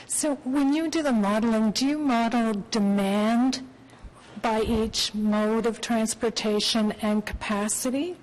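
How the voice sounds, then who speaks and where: A woman's voice: fairly high pitch, unhurried, a little mellow, low-quality recording. A woman speaking as a councillor, putting questions to staff in a committee meeting.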